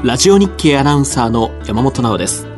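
A man hosting a radio program as its announcer, reading a polite, measured script in a studio. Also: mid-range voice, sing-song, music in the background. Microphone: studio microphone.

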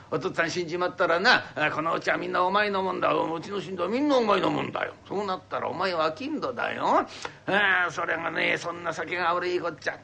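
A man's voice: high voice, vocal fry, bright, forceful tone, breathy edge, heavily acted. A man voicing a fond, sake-loving old merchant father who coaxes and stammers, in a rakugo story. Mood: earnest, coaxing. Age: older. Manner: coaxing, stammering, whiny pleading.

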